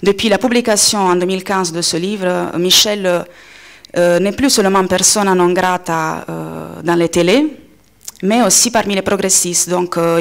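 A woman in her thirties addresses a conference panel in an Italian accent, her native language being Italian. Her voice sits fairly low and has plenty of gravelly fry. She feels her way through phrases, pausing and correcting herself as she goes. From Italy. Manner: hesitant phrasing with frequent pauses and self-corrections. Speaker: coordinator of a media organisation, panel speaker. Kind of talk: conference speech, semi-improvised. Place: indoor conference panel table. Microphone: gooseneck table microphone, close.

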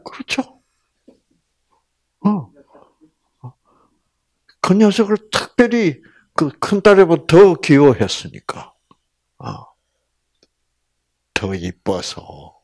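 A man with a fairly high voice gives a Bible lecture in storytelling style, speaking extremely slowly and pausing often. He's animated, asking the audience questions and acting out the voices of the people in his story.

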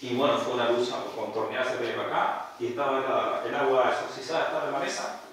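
Priest guy telling a story at a retreat, animated, far off mic, super echoey. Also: medium pitch, fast talker, slight background noise. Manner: animated storytelling, acting out quotes. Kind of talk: sermon storytelling. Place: retreat hall.

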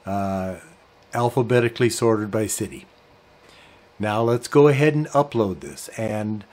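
Male, 60s, mid-range voice, very slow measured pace, talking viewers through a tutorial. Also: mid-range voice, darkish tone. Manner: measured, step-by-step explaining. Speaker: host of a ham radio channel. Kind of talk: software tutorial and review talk to camera. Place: small indoor home radio workshop.

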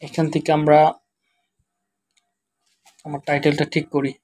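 A tired man with a Bangladeshi accent, speaking quietly and slowly as he walks through a screen-share tutorial. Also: on the high side, monotone. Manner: quiet, slow, tired-sounding talk. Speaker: web developer teaching SEO.

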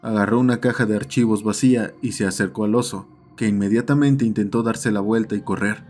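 A man's voice: on the low side, fairly even intonation, fairly quick, a little mellow. A man narrating a scripted horror story as the host of the channel. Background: background music.

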